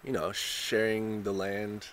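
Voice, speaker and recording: A young man talking in a relaxed surfer way, full of "you know" and "like", in a casual interview. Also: fairly low pitch, slow, slight background noise. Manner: laid-back surfer talk, lots of "you know" and "like". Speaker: contestant being interviewed.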